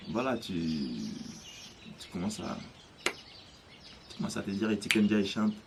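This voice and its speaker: Halting man in his thirties. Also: fairly low pitch, big pitch swings, gravelly, background noise. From Côte d'Ivoire. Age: 30s. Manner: hesitant, halting, many restarts. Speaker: interviewee. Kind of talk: personal testimony.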